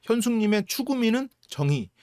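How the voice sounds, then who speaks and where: A man hosting a casual commentary, breaking down what he watches and acting out others' lines in quick, animated mimicry. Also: high-pitched, no echo, studio quality. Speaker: host and psychological counselor. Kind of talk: casual commentary reviewing a show.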